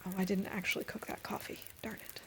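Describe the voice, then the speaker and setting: A woman's voice: mid-range voice, flat delivery, quick pace, slight background noise. A woman streaming a game, chatting casually and thinking aloud with frequent fillers. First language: English. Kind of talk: casual gaming stream chat.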